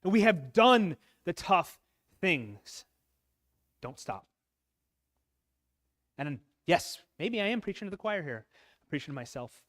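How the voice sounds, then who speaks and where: A man's voice: high-pitched, sing-song, slow, long pauses, a bit bright. A man giving an earnest, emotional sermon to other men in a church, his voice catching as he speaks. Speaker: lay preacher at a men's church talk. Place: church sanctuary.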